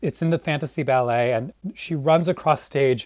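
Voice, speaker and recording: Heard in a very clean recording with a silent background, a man with a normal speaking voice talks at a moderate pace, fairly high in pitch with ordinary pitch variation. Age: 30s. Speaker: makeup artist. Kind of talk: interview.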